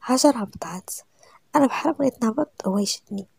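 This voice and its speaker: A woman with a Moroccan accent narrating a romance story in the first person, often dropping to a hushed whisper. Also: fairly high pitch, animated, fast, gravelly, husky, no echo.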